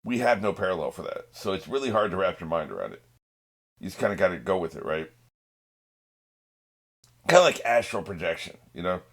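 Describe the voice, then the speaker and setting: Male reaction host, low register, informal and unscripted, thinks out loud, salty language. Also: very animated, brisk, pauses often. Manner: informal, swearing, musing. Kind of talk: casual off-the-cuff reaction commentary.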